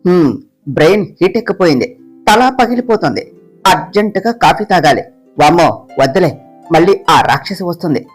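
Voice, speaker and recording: A man's voice: high voice, lively intonation, fairly quick, soft background music, pitched below the performer's own voice. A woman voicing a stern, short-tempered young male boss who talks in curt, scolding lines. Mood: irritated.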